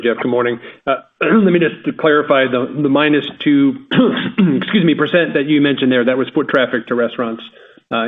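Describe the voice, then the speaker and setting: A company executive, a man, answering an analyst on an earnings call in a confident, emphatic way. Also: mid-range voice. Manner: confident, emphatic business talk. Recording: tinny phone line.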